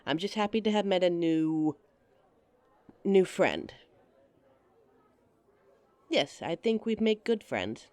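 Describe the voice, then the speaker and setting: A woman's voice: fairly low pitch, animated, takes it slowly, pauses often, darkish tone, no echo. A woman playing a giggly, teasing date. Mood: friendly. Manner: teasing and giggly, laughs often. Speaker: voice actress in an audio roleplay. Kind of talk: audio roleplay addressing the listener as a date.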